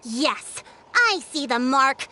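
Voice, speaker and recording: A woman playing a shrewd tribal chief in a fantasy game, composed, measured and authoritative. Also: sits high, sing-song, bright, forceful tone, heavily acted. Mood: calm, accusing.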